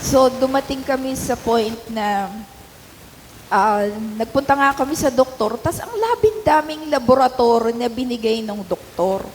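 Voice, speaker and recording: A middle-aged woman giving a personal testimony in a church hall, telling her story conversationally with halting fillers. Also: high voice, darkish tone. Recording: echoey hall with faint ambient noise.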